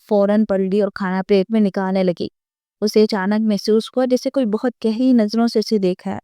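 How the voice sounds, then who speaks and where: Smooth-voiced woman narrating a novel. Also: medium pitch, dark tone, no room sound, studio quality. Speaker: storyteller. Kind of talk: scripted narration of a romance novel.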